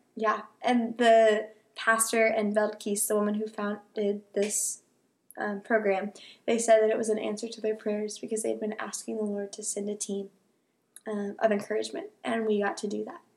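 A woman speaks at a moderate pace with fairly even intonation. Hers is an ordinary speaking voice, pitched fairly high. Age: 20s. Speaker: college student. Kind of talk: casual chat.

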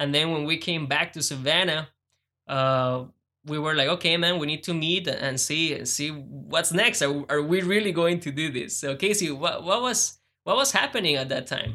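A man with a Costa Rican accent, a bright, sharp tone, a fairly high pitch, ordinary pitch variation and a moderate pace. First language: Spanish. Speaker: startup founder. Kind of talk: casual chat.

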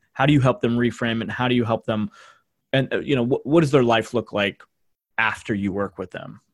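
A plain, everyday voice talks at a fairly quick pace with ordinary pitch variation, in a dry, close sound with no echo. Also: man, medium pitch for a man. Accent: Canadian. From Canada. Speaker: podcast host. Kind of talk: podcast interview; podcast intro. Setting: call.

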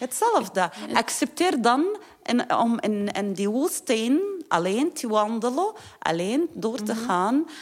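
A woman speaks at a very slow pace with a fairly high pitch and very wide pitch swings, over noticeable background noise. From Palestinian territories. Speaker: poet. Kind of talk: casual conversation. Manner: halting.

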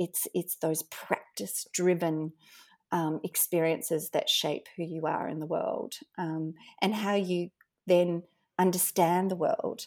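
The pace here is fairly slow. A woman talks in an Australian accent. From Western Australia (Perth). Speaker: architecture curator and author. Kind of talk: interview conversation. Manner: hesitant, many fillers.

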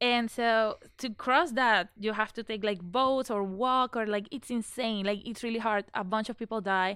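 A woman with a Spanish accent speaks at a moderate pace, her pitch fairly high and her intonation fairly even. The recording is very clean, with a silent background. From Panama (Panama City). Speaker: exchange entrepreneur. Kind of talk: interview.

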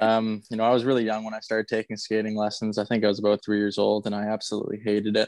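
With a Canadian accent, a man talks at a very fast pace in a fairly low, monotone, flat voice, the sound dry and close with no echo. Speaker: hockey player. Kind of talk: interview.

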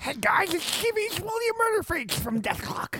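In a put-on character voice, raspy and extremely high in pitch, the speaker moves along at a moderate pace. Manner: cartoon character impression.

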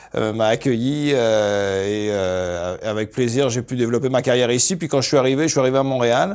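The man's pitch varies in an ordinary way as he keeps a moderate pace. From France. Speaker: festival director. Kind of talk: interview conversation. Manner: halting, many repetitions and hesitations.

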